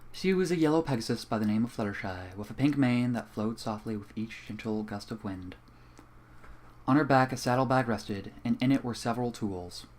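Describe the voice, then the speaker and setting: A young man reading a fan story aloud in a calm, even way at a home microphone. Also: mid-range voice, moderate pace. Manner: casual and profane in the intro, then calm and even while reading. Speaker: fanfiction reader. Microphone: home computer microphone.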